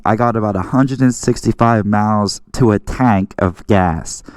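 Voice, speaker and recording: American dude, lowish clear voice, chatty vlog explainer, kinda rambly and fixes himself, dry sound. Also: male voice, a little mellow, no room sound. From southwestern Pennsylvania, US. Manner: informal, rambling, self-correcting. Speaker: motorcycle vlogger. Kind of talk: casual explanatory vlog talk.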